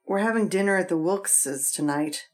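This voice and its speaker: An actress playing an attentive, concerned wife in an old-time radio drama, polite and solicitous. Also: female voice, lowish voice, moderate pace, a little mellow, natural voice. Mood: gently concerned.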